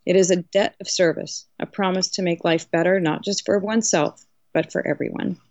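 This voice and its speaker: A woman's voice: lowish voice, fairly even intonation, normal speed, a little mellow, dry recording, close to an everyday voice. A woman reading the part of an earnest, learned male colonial law professor, didactic and emphatic, from a historical novel. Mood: earnest, instructive. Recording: dull lo-fi audio.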